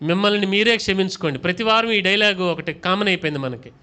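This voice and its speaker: A man's voice: high-pitched, quick pace, sharp tone, clean tone. A male pastor preaching a sermon, firing questions at his congregation, urging them to answer aloud, and mixing English phrases into his talk.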